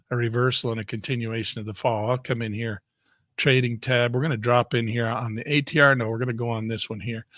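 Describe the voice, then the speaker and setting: He talks at a very fast pace. His medium-pitched voice stays monotone, with flat intonation. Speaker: trading educator. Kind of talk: live trading tutorial. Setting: live stream. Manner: casual, conversational.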